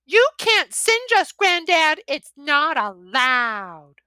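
A sulky, bossy little girl dragon, as a woman reading aloud puts her on, pitched up high with a pert, sassy lilt. The delivery swoops and bounces, bright and forceful, recorded close and dry. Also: very animated, slow, dry recording, full character voice. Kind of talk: storybook read-aloud.

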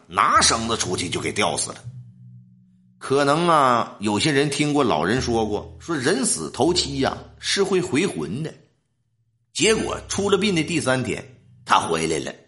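A man's voice: fairly high pitch, bright, forceful tone. A man telling a ghost story in a colloquial, dramatic way.

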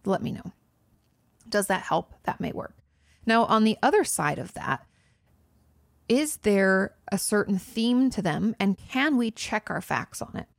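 A woman with a crackly edge to her voice, like the counselor host of an online advice show answering questions close up in a dry, quiet room. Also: medium pitch, very animated, unhurried, gravelly, dry recording. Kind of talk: casual explanatory advice, reading questions aloud.

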